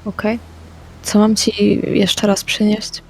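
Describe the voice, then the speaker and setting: A woman speaking in character in a tabletop roleplaying game, calm and brief. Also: mid-range voice, slow pace, faint music behind. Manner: calm, short replies with spoken actions. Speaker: player.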